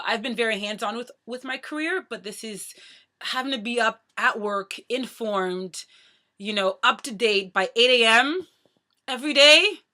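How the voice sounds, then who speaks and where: A woman in her thirties talks straight to her viewers in a loose, chatty vlog. Her voice is bright and forceful. She rattles along at a quick clip with a playful, joking manner. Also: medium pitch. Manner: talks very fast. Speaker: vlogger. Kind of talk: casual chat to camera.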